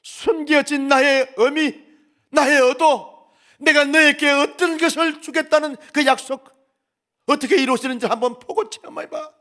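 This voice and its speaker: A man's voice: extremely high pitch, steady tone, normal speed, pushed and bright, voice pushed up. A man voicing God as a loving father consoling a sufferer, tender and soothing.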